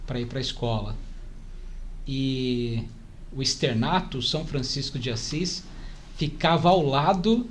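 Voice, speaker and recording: A man's voice: mid-range voice, unhurried, long pauses, slight background noise. A man in his forties with a São Paulo Brazilian accent, chatting casually as a podcast guest and often adding little tag questions. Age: 40s. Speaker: podcast guest, church stake president. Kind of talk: casual interview chat.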